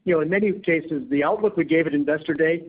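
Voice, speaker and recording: A man speaking as a company executive, giving unscripted answers on an earnings call in a halting way, often repeating words. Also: fairly high pitch, narrow, tinny audio. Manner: halting, hedged, word-repeating delivery. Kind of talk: unscripted answers to analyst questions. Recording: thin band-limited conference call line.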